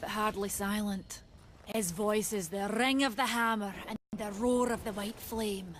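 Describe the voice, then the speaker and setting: An actress playing a proud, plain-spoken smith of an ancient maker race in a video game cutscene. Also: female voice, medium pitch, unhurried, a little hiss or hum, lightly acted. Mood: proud, challenging. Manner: forthright, proud, archaic folksy wording.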